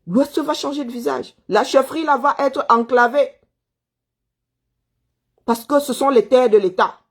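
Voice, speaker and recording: Speaking at a measured pace in a high voice, a Cameroonian commentator responds to viewers. Her heated monologue scolds the listener, circles back on the same points, and is full of rhetorical questions.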